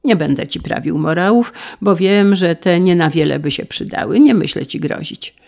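A woman's voice: fairly low pitch, lively intonation, moderate pace, vocal fry, darkish tone. Woman playing a proud, unyielding young woman. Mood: pained. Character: cold, proud young woman refusing her brother.

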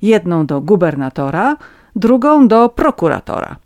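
A reader voicing a fawning, red-nosed petty scribe, a man who begs for vodka and wheedles his listeners in a high, eager voice. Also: sing-song, normal speed, darkish tone, no room sound. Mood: wheedling. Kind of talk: audiobook reading.

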